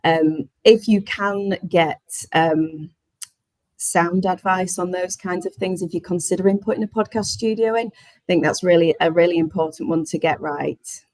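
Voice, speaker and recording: Female panellist, slightly low voice, dry sound, halting informal explanations on a webinar. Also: darkish tone, no room sound. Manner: hesitant, halting.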